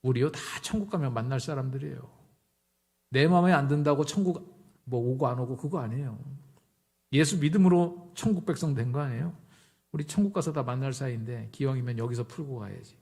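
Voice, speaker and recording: A middle-aged male pastor delivers a conversational sermon, telling stories and acting out both sides of the dialogue. His voice sits at medium pitch and moves a little fast, with vocal fry, a darkish tone and a breathy edge.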